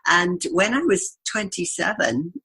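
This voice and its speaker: A woman in her fifties with a Yorkshire accent and a gravelly, slightly husky voice. She talks in a chatty, storytelling way and laughs often as she goes. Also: fairly low pitch, animated, unhurried, pushed and bright. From Yorkshire, England. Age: 50s. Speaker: guest. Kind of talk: podcast interview.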